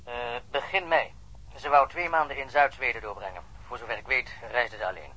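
A man's voice: medium pitch, fairly quick, bright, forceful tone, husky, poor audio. An actor playing a self-assured, businesslike male detective making a telephone report in a radio drama. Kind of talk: Dutch radio drama acting.

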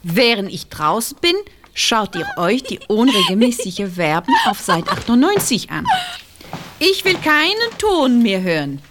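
A woman's voice: mid-range voice, very animated, unhurried, very noisy. An actress voicing a strict, easily flustered French woman teacher with a French accent in a children's radio play, scolding and mixing in French phrases. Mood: exasperated.

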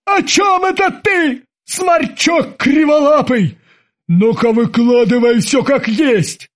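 A man's voice: high voice, lively intonation, measured pace, pitched above the performer's own voice. A man doing a whiny, dim-witted burly henchman. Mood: shrill angry.

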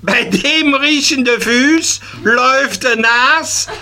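Man doing a cheeky protesting schoolboy, high bright voice. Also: slow, heavily acted. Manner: indignant, protesting. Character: cheeky know-it-all schoolboy.

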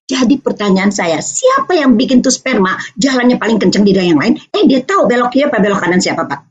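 Her voice leaning high and her pace slightly quick, an Acehnese woman tells a personal story as part of an online video parenting seminar. She animates it by acting out the voices and occasionally turns tearful. The muffled, lo-fi audio comes from an online meeting.

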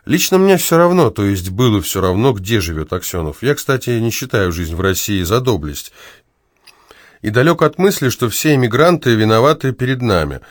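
A man's voice: on the low side, very animated, moderate pace, no room sound, studio quality. A man reading his own essay aloud in an ironic, argumentative way.

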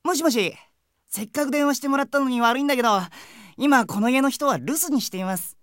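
A brash, friendly teenage boy, with a high voice in a dry, close studio sound. He talks in cheeky, boyish slang, the teasing best buddy of an anime game drama. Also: brisk, fairly bright tone, no room sound. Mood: politely casual. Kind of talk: anime game audio drama, character voice messages.

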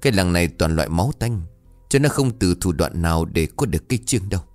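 A man's voice: sits low, animated, fast talker, darkish tone, no echo, soft background music. A man voicing a woman in her fifties, old and fierce, giving urgent hissed orders in a horror story. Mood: bitter. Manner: urgent hissing whisper, hard commands. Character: frightened old village mother, fierce and bitter.

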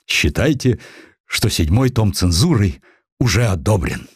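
A man's voice: on the low side, very animated, unhurried, breathy edge, no room sound, exaggerated voice. A pompous aristocratic official of an audiobook historical tale, played by a male reader. He is grand, condescending and effusive, with widely swinging intonation in a dry recording. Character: pompous, excitable aristocratic male censorship chief. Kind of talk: audiobook character acting.

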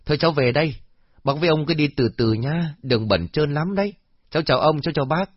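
A man's voice: a little high, lively intonation, quick pace, husky, no room sound, highs cut off, voice pushed up. A man voicing a polite, cheerful young female university student, in a raised voice. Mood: polite, lively. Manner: polite and deferential, raised bright tone.

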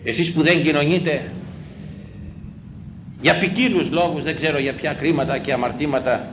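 A man, a priest, delivering a sermon in an emphatic, pleading way, repeating phrases and swinging between loud exclamations and hushed lines. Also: fairly high pitch, steady tone. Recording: echoey room with faint ambient noise.

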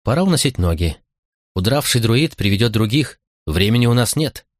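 A man's voice: mid-range voice, lively intonation, moderate pace, no echo, clean studio sound, lightly acted. A man voicing a blunt, practical tribal woman in an audiobook, muttering urgent warnings.

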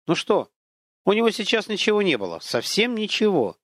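Expressive male audiobook narrator. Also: sits high, brisk, dry recording. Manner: expressive, dramatic storytelling.

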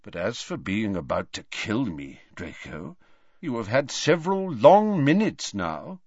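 A man voicing a frail, gentle old wizard. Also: lowish voice, sing-song, a little slow, breathy edge, no room sound, muffled recording, exaggerated voice. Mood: calm. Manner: light, conversational, courteous.

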